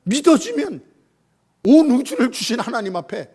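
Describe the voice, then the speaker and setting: Animated husky preacher, man. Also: very high-pitched, normal speed. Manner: animated storytelling, acting out quoted voices, rising to shouts. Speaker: pastor. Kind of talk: sermon.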